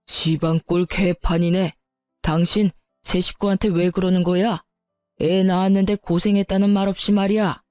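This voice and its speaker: A woman voicing a stern elderly father-in-law who talks slowly and weightily. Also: on the low side, little pitch movement, dark tone, no room sound, clean studio sound, faint music behind, natural voice. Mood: scolding. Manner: slow, weighty, scolding. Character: stern old father-in-law, gruff and blunt.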